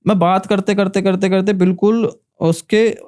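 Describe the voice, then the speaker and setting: A young man with a high, smooth and resonant voice, mellow in tone. He recounts a personal ghost story in vivid, earnest detail as a podcast guest. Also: steady tone, normal speed. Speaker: paranormal investigator guest. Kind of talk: emotional storytelling in a podcast interview.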